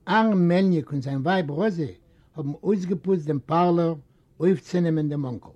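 High-voiced male audiobook reader. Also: normal speed, a little mellow. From Eastern Europe. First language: Yiddish. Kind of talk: read-aloud literary narration. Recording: dull lo-fi recording.

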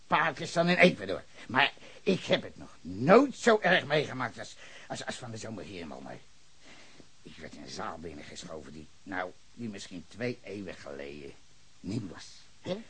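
Radio play: a man voicing a hostile, ranting bar owner in his fifties, with a lively, husky, bright delivery. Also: on the low side, full character voice. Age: 50s. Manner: cursing, ranting, swings between shouting and muttering. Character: foul-mouthed hostile older male bar owner, drunken ranter.

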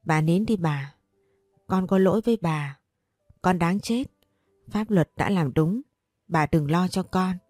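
A woman voicing a contrite young man sentenced to prison, speaking gently to his grandmother. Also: fairly low pitch, unhurried, long pauses, no echo, clean studio sound, faint music behind. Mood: remorseful. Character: remorseful young male prisoner, handcuffed.

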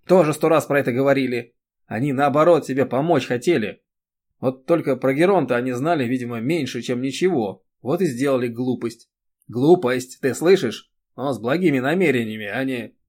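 A man's voice: medium pitch, a little fast, a little mellow, natural voice. A male reader voicing a blunt, protective young man who talks firmly and soothingly. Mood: stern insistence. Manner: firm, reassuring, sometimes barking. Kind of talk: audiobook character reading.

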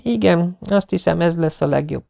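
A man's voice: fairly high pitch, gravelly, darkish tone, no echo, clean studio sound, voice pushed up. A man reading an audiobook, voicing a shy, troubled young woman who hesitates and stammers. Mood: flustered. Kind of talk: audiobook character voice.

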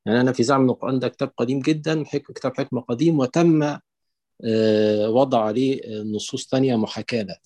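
A man with an Egyptian accent calling in to an online lecture, setting out his view slowly through many fillers and restarts. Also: mid-range voice, fairly even intonation, darkish tone, no echo. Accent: Egyptian Arabic. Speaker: caller. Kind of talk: call-in question on an online lecture.

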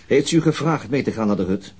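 An actor playing a persistent police interrogator in a radio crime drama, probing, controlled and insinuating. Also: male voice, medium pitch, animated, fast talker, darkish tone, breathy edge. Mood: firm, patient. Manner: insistent, probing.

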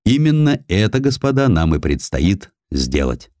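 A man's voice: deep voice, sing-song, unhurried, warm tone, dry recording, studio quality. A man voicing a young, dutiful navy lieutenant in an audiobook, earnest and emphatic. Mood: earnest, resolute.

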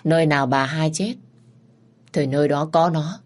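A woman's voice: low-pitched, moderate pace, a little mellow, natural voice. A woman voicing a bitter, grieving old servant woman who accuses her mistress's son. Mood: cold. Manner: accusing, resentful.

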